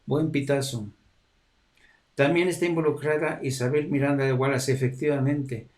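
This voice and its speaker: A man's voice: medium pitch, fairly even intonation, normal speed, darkish tone. Man hosting in an echoey room. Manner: rambling, many fillers. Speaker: host. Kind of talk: casual live commentary.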